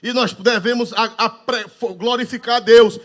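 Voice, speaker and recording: Older pastor from northeast brazil preaching, fairly high voice, fiery, keeps shouting hallelujah. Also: male voice, fairly even intonation, moderate pace. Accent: Northeastern Brazilian Portuguese. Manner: fervent preaching with frequent hallelujahs, swings from loud to quiet. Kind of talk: sermon.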